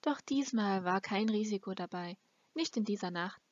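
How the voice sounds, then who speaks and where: A woman's voice: mid-range voice, moderate pace, dry recording. A woman reading a fantasy novel aloud as an amateur audiobook narrator. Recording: dull, lo-fi close recording.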